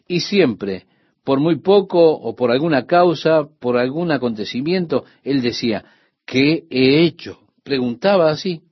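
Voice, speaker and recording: Lively male Bible teacher, dull dry sound. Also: on the high side, measured pace, slightly rough, no echo. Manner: explains to the listener directly, formal address.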